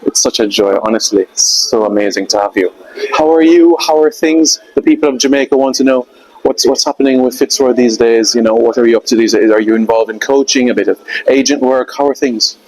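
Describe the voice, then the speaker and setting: A male host runs a relaxed interview, heaping generous praise on his guest. His voice sits at an ordinary middle pitch, easy and conversational. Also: a little fast, low-quality recording. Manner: warm, effusive praise. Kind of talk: casual interview chat.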